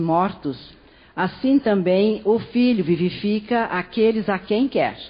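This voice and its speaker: At a fairly slow pace, a woman with a medium pitch, ordinary pitch variation and a somewhat breathy voice speaks. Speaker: scripture reader in church service. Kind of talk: reading aloud.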